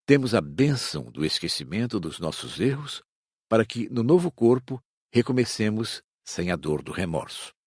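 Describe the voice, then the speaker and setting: A man reading an audiobook as a teacher, with a husky voice and a didactic, measured delivery. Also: on the low side, sing-song, a little mellow, no room sound, clean studio sound, heavily acted. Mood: instructive, measured. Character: male spirit teacher explaining reincarnation calmly. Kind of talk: scripted audiobook narration.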